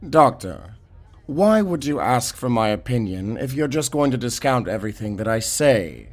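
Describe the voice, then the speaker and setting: A man's voice: medium pitch, very animated, normal speed. A man acting a proud, critical professor in a sci-fi audio drama, stiff and pompous, turning defensive. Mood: defensive, indignant. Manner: pompous, stiff, hesitant when challenged.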